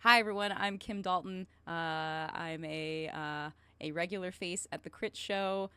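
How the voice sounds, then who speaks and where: A woman's voice: fairly low pitch, steady tone, measured pace, sharp tone, smooth, no room sound. A woman hosting a stream, chatting casually as she introduces things to viewers. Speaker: stream host. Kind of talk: casual chat, introducing guests.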